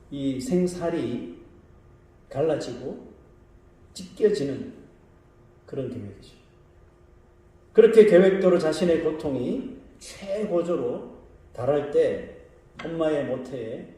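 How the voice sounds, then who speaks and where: Preaching pastor in a very echoey church. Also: male voice, on the high side, mellow. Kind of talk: sermon. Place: church sanctuary. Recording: very echoey room, voice from a distance.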